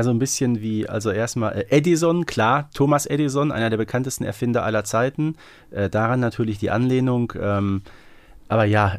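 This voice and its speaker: A man's voice: on the low side, darkish tone, no echo. A man chatting casually as a podcast co-host, musing and often tagging remarks with a short question. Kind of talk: casual conversational fan podcast talk.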